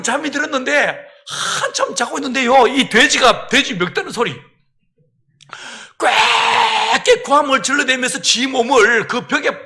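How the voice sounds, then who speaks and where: High, animated middle-aged male preacher. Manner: lively storyteller who acts out voices and laughs. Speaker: pastor. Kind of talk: revival sermon with personal story. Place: church sanctuary.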